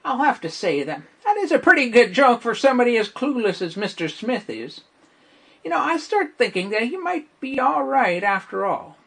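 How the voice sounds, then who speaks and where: A man's voice: very high voice, normal speed, vocal fry, exaggerated voice. A man playing a chatty, self-assured teenage schoolboy in a wry comic stage monologue. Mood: wry, unimpressed. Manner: animated, wry, conversational storytelling.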